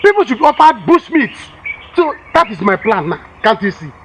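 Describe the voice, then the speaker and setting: A man's voice: very high voice, big pitch swings, moderate pace, fairly bright tone, a little hiss or hum, heavily acted. A man playing a boastful Nigerian bushmeat hustler. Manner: boastful, coaxing. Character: boastful, scheming village bushmeat seller husband.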